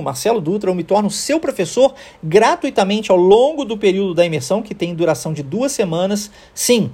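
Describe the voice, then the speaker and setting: Husky Brazilian man teaching English. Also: high-pitched, darkish tone. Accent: Brazilian Portuguese. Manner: explanatory, checks in with "tá?" and "ok?". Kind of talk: podcast language lesson.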